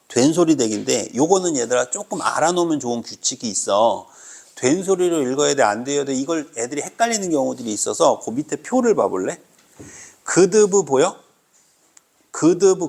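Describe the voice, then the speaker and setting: A man's voice: a little high, creaky, darkish tone. A man teaching a grammar class to students in a classroom, quizzing them constantly and mock-scolding them in a teasing way. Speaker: Korean language teacher.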